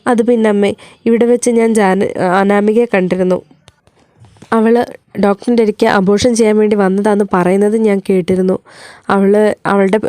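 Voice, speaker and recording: A woman's voice: medium pitch, mellow, no room sound, clean studio sound, natural voice. A woman voicing a worried middle-aged mother who pleads anxiously.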